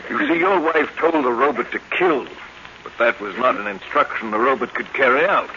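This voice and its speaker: An actor playing an authoritative scientist in a 1950s radio drama, formal, emphatic and explanatory. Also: male voice, medium pitch, wildly swooping pitch, brisk, gravelly, sharp tone, exaggerated voice. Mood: didactic. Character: authoritative robot scientist explaining his machine calmly. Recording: muffled, noisy old radio recording.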